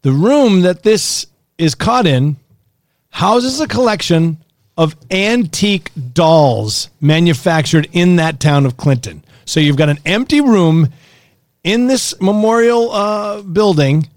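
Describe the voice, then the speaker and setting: A man hosting a podcast in casual chat, presenting clips in an animated way with slangy exclamations. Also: on the high side, takes it slowly, no echo, clean studio sound. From Massachusetts, US. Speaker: podcast host.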